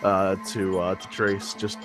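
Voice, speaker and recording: A man's voice: deep voice, flat delivery, a little slow, over music. A man playing a tabletop game, hesitant and self-deprecating, with many fillers. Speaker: player. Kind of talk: in-character tabletop role-play.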